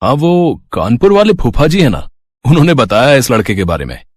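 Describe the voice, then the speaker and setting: A man's voice: mid-range voice, wildly swooping pitch, normal speed, slightly rough, no room sound, studio quality. A man voicing an easygoing, teasing middle-aged father and husband in a storybook tale. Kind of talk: storybook voice acting.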